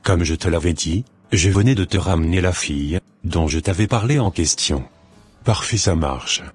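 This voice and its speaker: A man's voice: sits low, normal speed, breathy edge, soft background music. A man playing a devout, earnest Christian who speaks solemnly and formally in a scripted Christian cartoon. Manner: formal, solemn prayer delivery.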